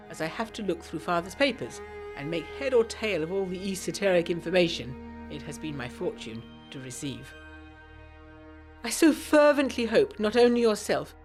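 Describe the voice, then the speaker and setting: An actress playing an earnest, anxious 1920s English gentlewoman, reading her letter in a formal, genteel and fervent manner for a gothic audio drama. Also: on the low side, lightly acted. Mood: resolute, affectionate.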